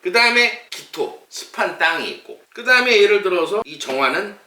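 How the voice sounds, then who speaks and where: A man working as a fortune teller talks to camera in a chatty, animated way, full of fillers, his tone rising high and dropping low. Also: normal speed, far from the mic. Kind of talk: casual lecture to camera. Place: his fortune-telling café. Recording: echoey room, voice a little off-mic.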